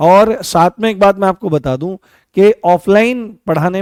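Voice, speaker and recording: A man's high-pitched voice with lively intonation, dry and close with no echo. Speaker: online exam coaching teacher. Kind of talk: online live class lecture. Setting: online live stream class. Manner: quieter voice than usual.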